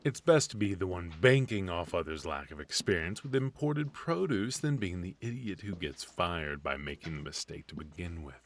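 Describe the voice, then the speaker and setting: Man playing a deep-voiced theatrical retired supervillain husband. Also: lively intonation, normal speed, few pauses. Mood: wry, self-justifying. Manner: theatrical, drawling, mock-sinister. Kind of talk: comedic ASMR roleplay.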